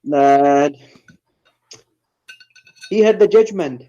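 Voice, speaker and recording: High-voiced hesitant man, dull audio. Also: very slow, warm tone. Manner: hesitant, defensive. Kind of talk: unscripted religious debate.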